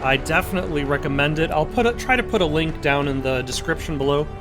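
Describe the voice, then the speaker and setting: A man with a somewhat high voice commentates casually as he plays a game. He talks conversationally as the host, with music behind him. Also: quick pace. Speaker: let's play host.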